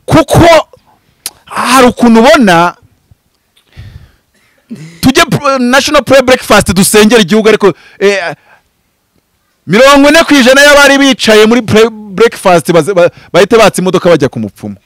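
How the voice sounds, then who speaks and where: Fiery fast-talking man preaching. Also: lively intonation, dry recording. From Rwanda. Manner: impassioned, gesturing, swings from loud bursts to low murmurs. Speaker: pastor and prophet. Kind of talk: animated preaching-style interview talk. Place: outdoors before green foliage. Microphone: handheld mic held close.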